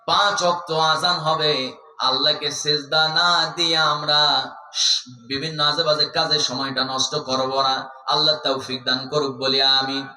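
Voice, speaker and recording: A young Bangladeshi Bengali-accented man preaching with fierce, piercing brightness and a fairly high voice. He tells his story fervently, rising to cries and then dropping to near hush, and his voice rings through an echoey, loudspeaker-filled space. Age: young adult. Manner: fervent storytelling waz delivery, swinging between loud cries and hushed tones. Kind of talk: sermon.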